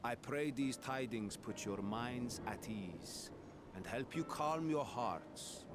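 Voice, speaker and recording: A man playing a composed, stately ruler in a video game, speaking in formal, measured oratory to reassure people. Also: medium pitch, expressive, background noise. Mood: solemn, reassuring. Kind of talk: dramatic video game acting. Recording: loud music under the voice.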